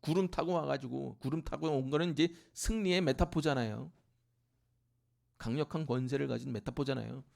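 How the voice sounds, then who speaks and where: A man's voice: moderate pace, vocal fry. A man preaching a sermon in church, explaining scripture and acting out lines with rising force. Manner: animated preaching, shouting scripture at peaks, then dropping low. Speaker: pastor. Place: church sanctuary.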